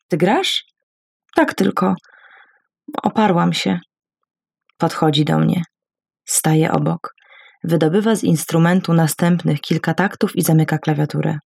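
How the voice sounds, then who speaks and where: Low, gravelly woman narrating. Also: darkish tone, no room sound, clean studio sound. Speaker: audiobook narrator. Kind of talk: first-person literary narration.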